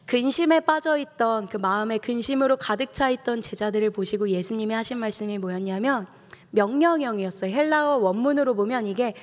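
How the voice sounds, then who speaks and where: A woman's voice: a little high, a little fast, in a large hall. A woman pastor preaching a sermon, telling a personal story earnestly and emotionally, her voice rising for emphasis.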